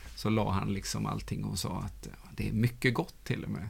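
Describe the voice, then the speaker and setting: A man speaks at a moderate pace with fairly low pitch, lively intonation and vocal fry. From western Sweden, Gothenburg area. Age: 40s. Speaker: pastor. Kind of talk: podcast interview. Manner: halting.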